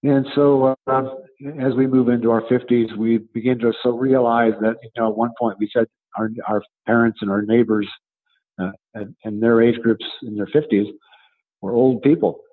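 A man in his seventies answering interview questions conversationally as a coach and author, explaining in a halting way and repeating words as he thinks. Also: mid-range voice, steady tone, phone-quality sound. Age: 70s.

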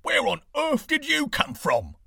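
A man doing a loud, blustering ragged beggar. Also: on the high side, wildly swooping pitch, moderate pace, dry recording, studio quality, pitched above the performer's own voice, full character voice. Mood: defensive. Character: ragged, bad-tempered male beggar.

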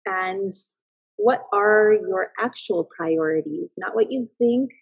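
Very husky, gravelly-voiced woman. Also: mid-range voice, slow, dry recording. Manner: thoughtful and earnest, with frequent restarts. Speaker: podcast guest, mother and business owner. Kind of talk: casual reflective interview talk. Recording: slightly dull, lo-fi sound.

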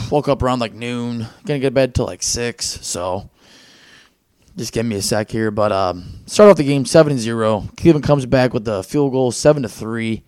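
Male podcast host, hoarse and worn, excitable fan rambling, dry close mic. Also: mid-range voice, moderate pace, no echo. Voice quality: raspy. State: tired, foggy. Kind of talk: casual sports recap podcast.

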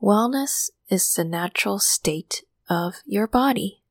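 A woman with a calming voice hosts a meditation podcast and leads a guided session. She speaks softly and slowly, dropping into a whisper on some breathing cues. The sound is dry and close, with no room around it. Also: mid-range voice, no room sound. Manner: soft, slow guiding with whispered breath cues.

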